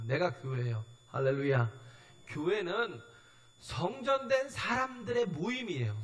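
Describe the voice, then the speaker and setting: A man's voice: high-pitched, bright, forceful tone. A male pastor preaching a sermon, often prompting the congregation with questions and briefly acting out quoted dialogue. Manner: acts out short quoted dialogue within the sermon.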